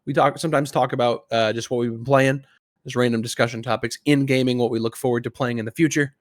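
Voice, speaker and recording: A man co-hosting a casual gaming podcast, talking in a halting way with pauses mid-thought. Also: mid-range voice, steady tone, dry recording, studio quality. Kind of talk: casual chat.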